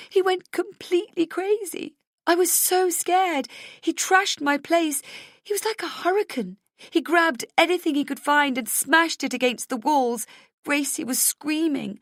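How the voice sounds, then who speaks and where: A woman's voice: sits high, fairly bright tone, dry recording, clean studio sound, pitched above the performer's own voice. A woman voicing a distraught, guilt-stricken female friend in an audiobook, wailing and tearful.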